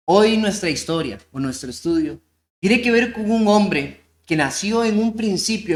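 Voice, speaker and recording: A man preaching a sermon, telling a story earnestly and slowing down on key points. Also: high voice, fairly bright tone. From Costa Rica. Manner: storytelling, earnest, slows down for emphasis.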